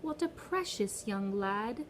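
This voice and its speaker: Cold smooth ferryman of the dead with a british-ish foreign accent, sweet and condescending, slightly high , woman putting him on. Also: animated, slow pace, slight background noise. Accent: British-tinged foreign accent.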